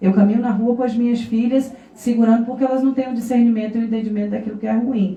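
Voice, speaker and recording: There is noticeable background noise and audible room echo. Through it, a woman talks. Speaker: city council candidate. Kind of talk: interview. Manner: fast.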